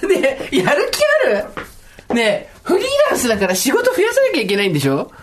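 A woman hosting a podcast, talking fast and joking with her co-host. Her pitch swings widely as she tells stories and teases. She laughs through many of her lines. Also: noisy background. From Tokyo, Japan. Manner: quick, animated, jokey, laughs often. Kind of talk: casual chat.

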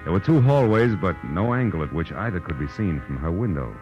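A very low-pitched American private eye, wry and hard-boiled, talking in a clipped, world-weary manner. It is 1940s radio drama on a muffled vintage recording, with music clearly behind the voice. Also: male voice, animated, fairly quick. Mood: wry narration. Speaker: lead actor and narrator of a radio detective series.

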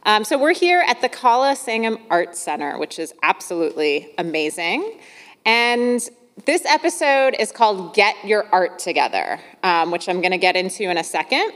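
A woman's voice: mid-range voice, sing-song, normal speed, fairly bright tone. A Midwestern American woman hosts a podcast with eager, conversational energy and plenty of casual fillers. Her voice sits in a middle range and carries a long reverb, as if spoken in a large hall at an arts venue. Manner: enthusiastic, chatty, with fillers. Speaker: podcast host. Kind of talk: podcast intro monologue.

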